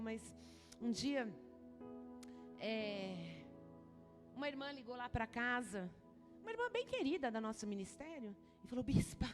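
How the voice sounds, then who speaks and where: High-voiced Brazilian woman preaching passionately. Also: in a large hall. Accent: Brazilian Portuguese. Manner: passionate, swings from soft to loud. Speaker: bishop preaching. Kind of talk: church sermon. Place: church hall.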